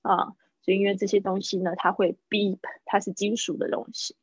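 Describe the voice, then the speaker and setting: A woman teaching English pronunciation in a live online lesson, switching between quick explanations and slow, drawn-out model phrases, repeating words several times to drill them. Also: mid-range voice, flat delivery, breathy edge, dry recording, highs cut off. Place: indoors, streaming over video call.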